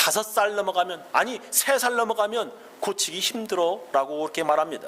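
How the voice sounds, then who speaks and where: A man talks with a high pitch and lively intonation. His pace is moderate. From South Korea, Chungcheong province, then Seoul. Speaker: pastor. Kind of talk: sermon.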